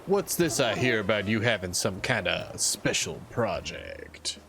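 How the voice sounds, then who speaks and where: A man voicing a smooth-talking, cocky male game villager in a deep, low crooning voice. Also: sing-song, a little slow, a crowd in the background, exaggerated voice. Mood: suave. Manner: crooning swagger.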